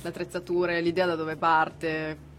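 A woman's voice: low voice, flat delivery, a little slow. A woman co-hosting a casual radio interview and putting questions to a guest. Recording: loud music behind the voice. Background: loud music.

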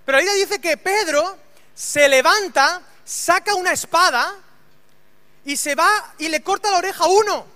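A man preaching a humorous, animated sermon and acting out scenes with voices. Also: very high-pitched, normal speed. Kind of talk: storytelling sermon.

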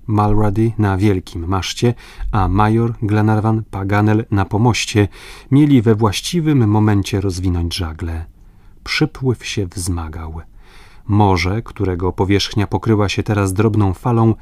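A man reading a classic adventure novel aloud in a measured, literary way. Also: lowish voice, a little mellow, dry recording. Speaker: audiobook narrator. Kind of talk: scripted narration.

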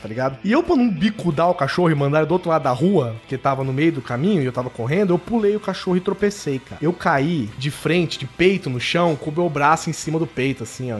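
A man from the interior of São Paulo with a Brazilian Portuguese accent, telling animated, slangy stories on a casual podcast and acting out the dialogue. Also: fairly high pitch. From Brazil, interior of São Paulo state.

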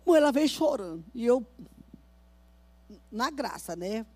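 A woman missionary, preaching a fervent sermon at a church service and moving between quiet storytelling and loud exhortation. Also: on the high side, very animated, unhurried.

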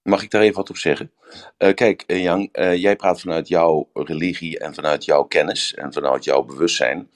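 Older male group leader, voice extremely low, rambling and anecdotal delivery. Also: fairly even intonation, moderate pace. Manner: rambling, searching for words, with anecdotes. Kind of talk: casual talk.

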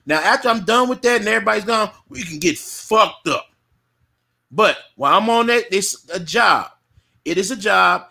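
Brief: high-voiced man in his fifties, gravelly and bright, a profane DJ chatting casually. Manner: animated, profane, repeats himself. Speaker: DJ and co-host. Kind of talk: casual chat.

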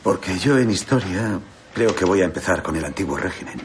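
A man's voice: deep voice, animated, fairly quick, faint music behind. An actor playing a friendly male history teacher chatting casually with a colleague, in dubbed film dialogue.

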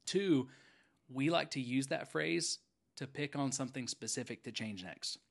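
Man, podcast host, former student pastor, casual animated storyteller, mid-pitched voice. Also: measured pace, gravelly. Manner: animated storyteller, frequent "right?" and "okay?" tags. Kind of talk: casual chat.

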